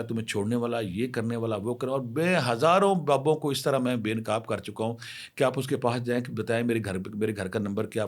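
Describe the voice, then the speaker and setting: A middle-aged man tells cautionary stories as a spiritual healer. His voice sits fairly low and comes across husky, and he drives his advice home with emphasis, speaking directly to the women watching. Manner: anecdotal, emphatic, speaks straight to women viewers. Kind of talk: storytelling advice talk.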